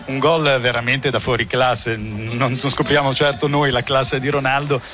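A man's voice: mid-range voice, steady tone, normal speed, over music. A man giving analytical football commentary as a co-commentator. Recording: noisy radio feed with outdoor ambience.

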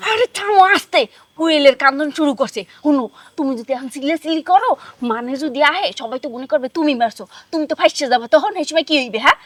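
Comedy-drama casting: a high-pitched, bossy village wife, dry sound. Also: female voice, animated, quick pace, a bit bright, dry recording. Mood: scolding. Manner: scolding, bossy. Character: scheming, sharp-tongued village wife.

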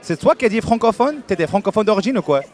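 A man's voice: high-pitched, lively intonation, racing, a little mellow. A man hosting a casual street interview outdoors, playful and teasing, switching between languages. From United States, Virginia. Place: outdoors in a busy urban street area.

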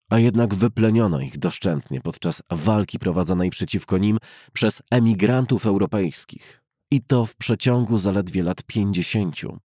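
A man reads a novel aloud as an audiobook narrator. His voice sits fairly low and has a husky grain. The delivery is measured and formal, in a literary storytelling style, captured close and dry with no room sound. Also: warm tone, no room sound.

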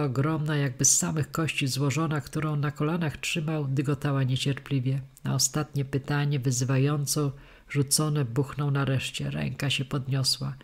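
A man narrating a historical tale in a measured, dramatic audiobook reading. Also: a little high, creaky. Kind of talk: scripted narration.

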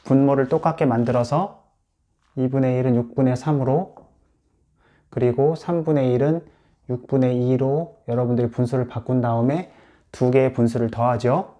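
A man's voice: mid-range voice, fairly even intonation, normal speed, mellow. A man teaching English in Korean, patiently explaining and repeating each English word for practice. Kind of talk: explanatory lesson.

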